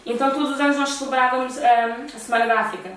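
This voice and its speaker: Racing along in a high, slightly bright voice with fairly even intonation, a talk show host with a European Portuguese accent has a casual conversation with a friend. The mic is distant and the room very echoey.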